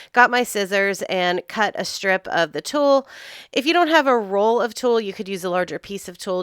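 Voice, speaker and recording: A woman's voice: mid-range voice, a bit bright, smooth, no room sound, clean studio sound. Upbeat, slightly nasal woman explaining crafts. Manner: upbeat, chatty and instructive. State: nasal from getting over a cold. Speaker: craft channel host. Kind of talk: step-by-step craft tutorial narration.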